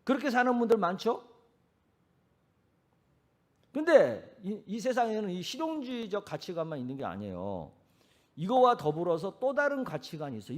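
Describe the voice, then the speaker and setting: A man preaching with a lively voice that swings widely in pitch and sits somewhat high. He talks to his congregation in a casual, animated way and keeps asking them rhetorical questions. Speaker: senior pastor. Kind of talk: sermon.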